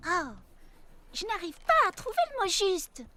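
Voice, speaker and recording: A woman voicing a gentle, friendly young girl in a French-dubbed children's cartoon, speaking politely. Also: extremely high pitch, very animated, unhurried, full character voice. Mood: searching.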